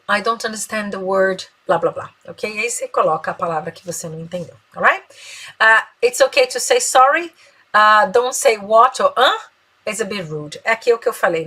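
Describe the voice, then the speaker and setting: A Brazilian woman, a native Portuguese speaker, teaching business English, explaining in Portuguese and slowly modeling English phrases. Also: medium pitch, pushed and bright, breathy edge, low-quality recording. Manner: tags sentences with "né?". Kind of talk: bilingual English lesson.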